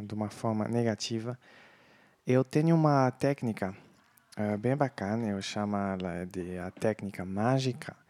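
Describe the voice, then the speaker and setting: A man with a Brazilian Portuguese accent, teaching a French lesson and slowly modeling each phrase clearly. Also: mid-range voice, dark tone. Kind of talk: language lesson.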